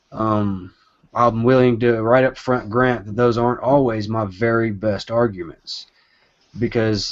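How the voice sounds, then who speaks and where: A man mumbles at a medium pitch. The background is quiet. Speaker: atheist YouTuber. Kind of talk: casual chat. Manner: mumbling.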